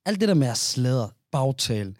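A man's voice: mid-range voice, sing-song, a little mellow, no echo, clean studio sound. Reflective man steering a podcast chat. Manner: reflective, steers the topic, slips in English words. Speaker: podcast co-host. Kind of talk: casual chat.

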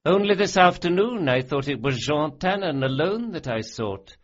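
A man's voice: on the high side, expressive, normal speed, pitched above the performer's own voice. This is a gloating male sorcerer, silken and cruel, savoring every threat as he speaks, voiced by a man reading a story. The voice sits a few steps above the reader's own and leans into each cruel line. The recording sounds slightly dull and muffled. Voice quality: sneering, relishing every cruelty.

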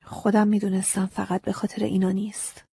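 A woman narrating an audiobook in the first person, in a breathy, often half-whispered and intimate way. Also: mid-range voice, level tone, dark tone, dry recording.

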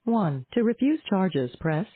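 A woman's recorded voice giving a formal, measured automated prompt on a payphone call. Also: mid-range voice, big pitch swings. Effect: automated payphone call prompt heard over a phone line. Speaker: recorded phone system operator. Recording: tinny phone line with faint hiss.

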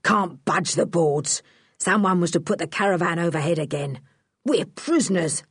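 A growling, grim crook of a man speaks low and hard, as a woman reader puts him on. The voice has a slightly husky edge and sits close and dry, with no room around it. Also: animated, moderate pace, no echo, full character voice. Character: gruff menacing male criminal.

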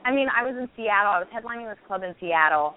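A woman in her thirties, a stand-up comedian, telling stories candidly with quick restarts in a casual interview. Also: medium pitch, lively intonation. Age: 30s. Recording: tinny phone-like line with faint noise.

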